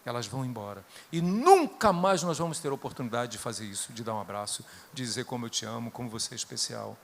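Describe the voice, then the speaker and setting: A middle-aged man with a Brazilian Portuguese accent preaches through personal stories. His voice sits at an ordinary pitch, climbing to loud bursts and then sinking to hushed, quiet tones. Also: expressive, quick pace, vocal fry. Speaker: guest preacher.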